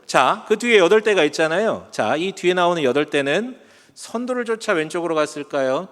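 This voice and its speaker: A man's voice: high-pitched, a bit bright. A man in his forties, a pastor giving a chatty, self-deprecating sermon and telling stories with humor. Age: 40s. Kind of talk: conversational sermon. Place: church sanctuary. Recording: long hall reverb from a church sanctuary.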